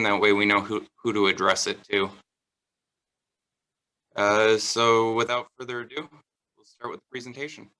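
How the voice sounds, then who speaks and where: Young male host, bright tone, relaxed with lots of "uh"s, on a video call. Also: on the low side, low-quality recording. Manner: relaxed, frequent "uh" fillers. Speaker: event host, master's student. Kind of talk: hosting an online Q&A.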